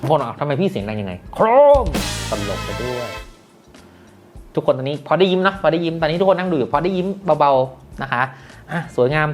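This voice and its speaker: A young woman chatting excitedly through a casual gadget unboxing review, full of exclamations. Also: sits low, fast talker, over music. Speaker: tech reviewer.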